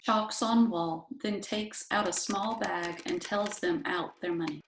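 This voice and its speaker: Woman reading stage directions real slow, echoey room, bit of noise. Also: medium pitch. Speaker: narrator, library staff reader. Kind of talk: scripted narration of stage directions. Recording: roomy echo, faint noise, clicks.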